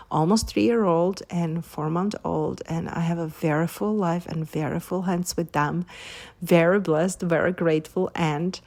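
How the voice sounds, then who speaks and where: Earnest woman host, lowish voice. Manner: earnest, warm storytelling with quoted dialogue and light laughs. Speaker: podcast host. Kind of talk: faith encouragement monologue.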